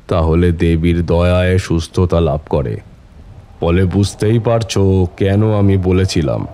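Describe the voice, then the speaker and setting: A deep-voiced, seasoned tantric wanderer played by a male actor tells tales of his past in an audio story. He is reflective and takes his time, speaking very slowly as he addresses his listeners. Background ambience runs behind his mellow voice. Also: a little hiss or hum. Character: reminiscing seasoned tantric storyteller, worldly wandering holy man. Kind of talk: scripted audio-story narration in character.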